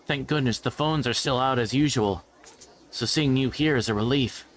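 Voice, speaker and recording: Man putting on a high-pitched anxious teenage schoolgirl. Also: moderate pace, natural voice. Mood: worried, relieved. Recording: background music.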